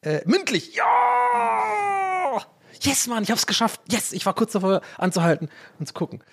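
Extremely high-pitched, gravelly and a bit bright, this man's voice swings widely in pitch and moves a little slowly. He's a native English-speaking podcast host in his thirties from Dublin, Ireland, rambling in a self-mocking casual chat full of fillers, restarts and playful swearing.

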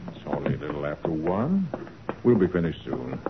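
An actor playing a confident, shrewd private detective in a deliberate, commanding 1940s radio style. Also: male voice, a bass voice, very animated, heavily acted. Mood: calm, assured. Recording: muffled, hissy 1940s radio recording.

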